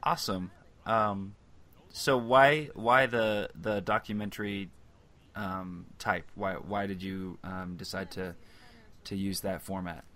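A man's voice: sits low, fairly even intonation, slow pace, pushed and bright. A man hosting a casual commentary, asking questions hesitantly and agreeing easily. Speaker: commentary host.

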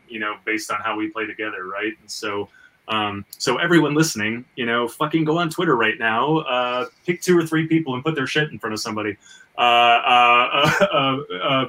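A man's voice: mid-range voice, pushed and bright, distant mic, low-quality recording. A man hosting a casual podcast, speaking emphatically with repeated stammering starts and free swearing. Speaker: podcast host.

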